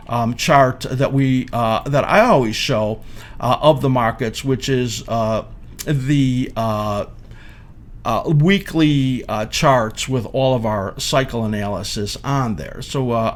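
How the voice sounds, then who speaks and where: Older man explaining charts, halting delivery. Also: medium pitch. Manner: halting, with frequent hesitations. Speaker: market analyst presenting a video series. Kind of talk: informal explanatory commentary on charts. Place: indoor studio or office at a desk.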